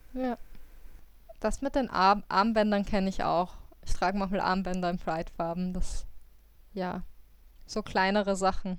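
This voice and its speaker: A woman at medium pitch and moderate pace, fairly even in intonation, with long, frequent pauses. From Austria. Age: 20s. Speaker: podcast host. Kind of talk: casual chat.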